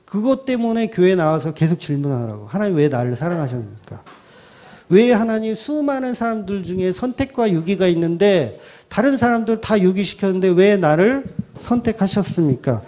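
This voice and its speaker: Animated, mellow-voiced preaching man. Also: sits high, normal speed, few pauses. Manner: animated preaching, acting out quoted prayers and replies; repeats key phrases for emphasis. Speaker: pastor. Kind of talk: sermon.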